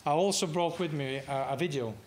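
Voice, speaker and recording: A man's voice: on the high side, fairly quick, slight background noise. Norwegian man giving a hesitant guest lecture. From Norway. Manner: hesitant, many fillers and restarts, joking with the audience. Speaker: guest speaker. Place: lecture hall.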